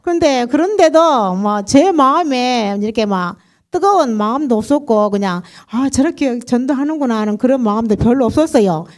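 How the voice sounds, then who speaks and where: A woman's voice: fairly high pitch, expressive, normal speed. Chatty Gyeongsang-accented woman. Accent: Gyeongsang dialect. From Daegu region, South Korea. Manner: chatty, laughing storyteller who acts out other people's lines. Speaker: church member giving testimony. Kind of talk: personal testimony to a congregation.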